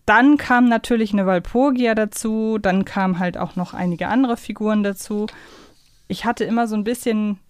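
A woman's voice: medium pitch, normal speed, clean tone, no echo, clean studio sound. A woman talking casually and reflectively as a podcast co-host. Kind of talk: casual podcast discussion of an audio drama series.

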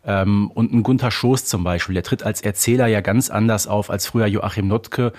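A man with a German accent speaks as a podcast co-host in a fairly low voice. He lays out his points casually and matter-of-factly, like a fan explaining details to a friend. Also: steady tone, normal speed, a little mellow.

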